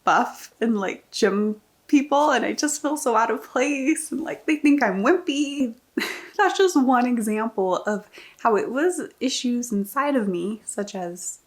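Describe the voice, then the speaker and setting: A woman's voice: on the high side, expressive, measured pace. A young woman vlogging casually, chatty and self-deprecating, often laughing at herself. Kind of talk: casual vlog talk.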